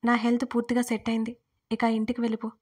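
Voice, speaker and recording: A woman voicing the story's teasing, aloof young male hero in quoted lines, speaking softly. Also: on the high side, completely flat delivery, fast, slightly rough.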